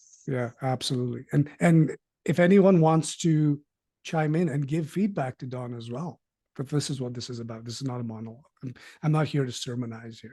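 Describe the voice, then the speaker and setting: A man's medium-pitched, dark and mellow voice, somewhat breathy, at a fairly quick pace with ordinary pitch variation and big swings in loudness. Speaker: podcast host leading subscriber call. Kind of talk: casual group discussion. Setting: video call. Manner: fast, impulsive.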